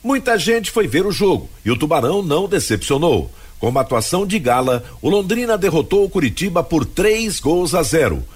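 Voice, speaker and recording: A Brazilian man with a husky voice reading scripted sports history narration for radio. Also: fairly high pitch, big pitch swings, brisk, hardly any pauses.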